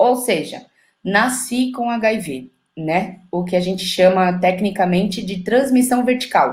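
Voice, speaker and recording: A woman with a medium pitch and lively intonation speaks in a somewhat breathy voice. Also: fairly slow pace. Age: 30s. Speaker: podcast guest living with HIV. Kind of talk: personal testimony and health explanation in a podcast interview. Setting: podcast studio with cameras. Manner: casual, conversational.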